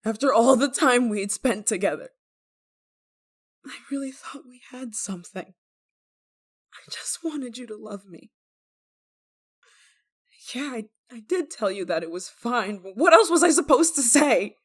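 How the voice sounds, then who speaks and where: Woman acting fragile, halting, lovesick young woman. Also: fairly high pitch, expressive, slightly rough. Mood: desperate, confessing. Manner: halting, stammering, emotionally fragile. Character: desperate, guilt-ridden young woman, obsessive lover, tender and anxious. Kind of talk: intimate dramatic audio roleplay.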